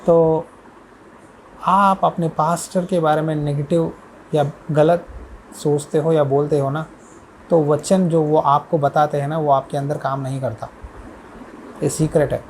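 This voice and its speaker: A man's voice: on the high side, flat delivery, unhurried, long pauses, slight background noise, rough recording. A male pastor delivering an earnest sermon, repeating words for emphasis.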